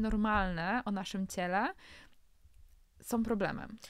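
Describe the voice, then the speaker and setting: The woman's intonation stays fairly even, and the background is quiet. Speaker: podcast host. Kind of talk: casual interview conversation. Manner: hesitant, many fillers. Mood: reflective, relaxed. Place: studio. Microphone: studio mic.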